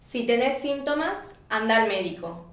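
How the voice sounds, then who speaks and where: Clear woman in echoey room. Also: fairly high pitch, lively intonation. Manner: clear, measured phrasing for learners. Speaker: Spanish teacher. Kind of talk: scripted language lesson.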